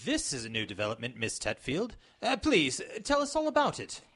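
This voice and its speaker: A man playing a genial, courteous gentleman doctor telling his adventures in an old-time radio drama. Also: on the high side, wildly swooping pitch, fairly quick, full character voice. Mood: curious. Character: genial English gentleman doctor, Sherlock Holmes's companion, reminiscing. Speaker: radio play actor narrating as the doctor.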